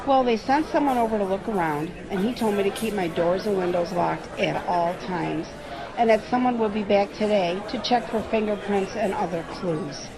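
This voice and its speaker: A woman acting in an audio drama as an expressive, chatty friend. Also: medium pitch, moderate pace, close to an everyday voice, poor audio. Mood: uneasy. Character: rattled woman, playful old friend, nostalgic for her teens. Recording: busy public background chatter.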